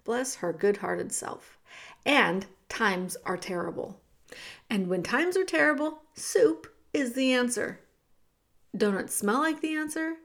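A woman voicing a rough-spoken but soft-hearted kitchen cook who talks in a folksy dialect, coaxing and emphatic. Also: on the high side, expressive, slow, exaggerated voice.

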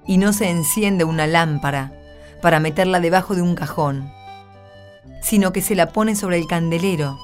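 A woman reads scripture as a radio presenter. Her voice is fairly low and the delivery solemn and scripted. Music plays lightly behind her. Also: a little mellow.

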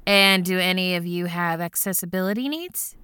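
An actress playing an upbeat housing caseworker who reassures a caller on the phone. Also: female voice, lowish voice, moderate pace, pushed and bright, clean tone, no echo. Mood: businesslike. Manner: cheerful, reassuring, businesslike.

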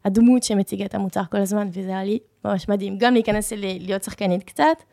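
A woman's voice: mid-range voice, steady tone, gravelly, dark tone. A young woman with a French accent, chatting and telling stories casually as an interview guest. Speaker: content creator, interview guest. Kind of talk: casual conversational storytelling.

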